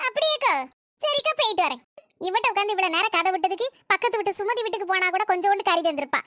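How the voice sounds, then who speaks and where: A woman's voice: extremely high pitch, animated, fast talker, pushed and bright, no room sound, full character voice. A woman voicing a scheming neighbor who spreads gossip, in a cartoon comedy. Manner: breathless storytelling gossip.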